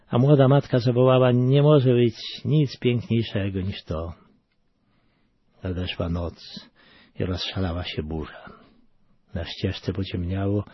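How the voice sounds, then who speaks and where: A man reading a moving story aloud, earnest and emotional, swelling in dramatic moments and dropping to a hush. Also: lowish voice, breathy edge, no room sound. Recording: dull, muffled sound.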